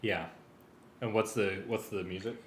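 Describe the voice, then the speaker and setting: A man's voice: lowish voice, steady tone, a little slow. A man in a casual working discussion, hesitant and thinking aloud as he directs the planning. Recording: roomy echo, clicks, faint background noise.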